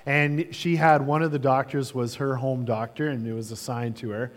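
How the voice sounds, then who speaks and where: A man's voice: mid-range voice, steady tone, moderate pace. A man preaching a sermon as the pastor, telling stories in a conversational way with some fillers.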